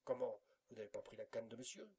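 A man reading a storybook aloud, voicing a fussy middle-aged aunt who scolds in a sharp, raised voice. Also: medium pitch, very animated, quick pace, breathy edge. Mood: scolding.

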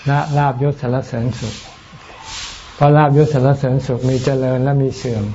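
A middle-aged man, a Buddhist monk teacher, answering questions in an unhurried, joking, plain way. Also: mid-range voice, fairly even intonation, dark tone. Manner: unhurried, joking, explains plainly in Thai and English. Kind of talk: relaxed dharma Q&A talk. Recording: muffled with faint noise.

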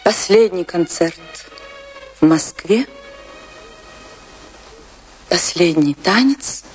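A woman's voice: on the low side, expressive, soft background music. An actress playing a passionate, lovelorn woman dancer in a radio drama, speaking with theatrical emotion and wistful grief. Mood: wistful, breathless. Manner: dramatic, slow, emotional delivery.

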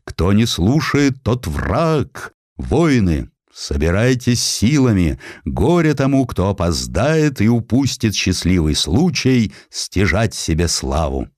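A man's voice: fairly low pitch, big pitch swings, slow, darkish tone, no echo, studio quality, voice pushed up. Man playing a commanding, declamatory war leader. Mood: stern, rousing. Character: male Ethiopian war leader proclaiming a stern call to arms.

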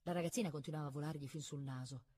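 A woman reading a novel aloud in a calm, measured narrating voice. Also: sits low, husky. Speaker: reader.

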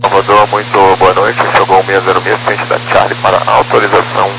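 A man's voice: deep voice, flat delivery, brisk, gravelly. A male airline pilot talking over aviation radio, making clipped, routine calls to air traffic control.

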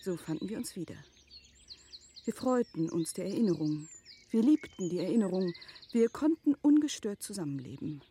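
An actress in a classic German radio play playing a prudent, gently firm middle-aged wife who speaks in measured, eloquent, formal phrases. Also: female voice, medium pitch, big pitch swings, husky. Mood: tender, insistent.

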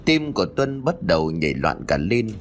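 A man narrating a spooky family story in an expressive, dramatic storytelling style. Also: sits low, moderate pace, a little hiss or hum. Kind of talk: scripted narration. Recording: faint background music.

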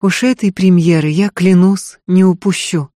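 A woman reading an audiobook voices a resolute, tender young woman singer who speaks softly and quietly. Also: fairly low pitch, steady tone, normal speed, dry recording, clean studio sound, lightly acted. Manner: soft, quiet, restrained.

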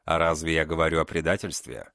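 Man doing a calm menacing killer, very deep voice, mocking, dry. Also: gravelly, no room sound, heavily acted. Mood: cold. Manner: cold, unhurried, mocking. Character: calm, mocking male killer called the beast.

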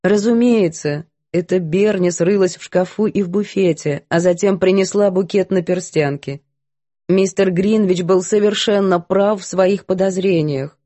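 A woman reading a novel aloud as audiobook narrator, even and clear. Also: lowish voice, measured pace, no room sound. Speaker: audiobook reader. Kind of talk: scripted story narration.

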